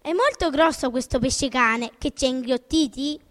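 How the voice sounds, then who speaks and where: A woman's voice: high-pitched, normal speed, fairly bright tone, long reverb tail, faint music behind. A woman voicing a frightened, stubborn wooden puppet boy in a storybook reading, wailing and pleading. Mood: anxious.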